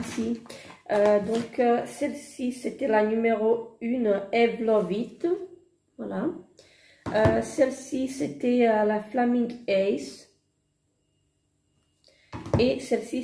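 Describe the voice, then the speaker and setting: A woman with a hoarse voice, chatting hesitantly through a makeup haul with many fillers and gushing exclamations. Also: a little high, dark tone, echoey room. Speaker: beauty vlogger. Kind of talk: casual makeup haul chat. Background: construction noise.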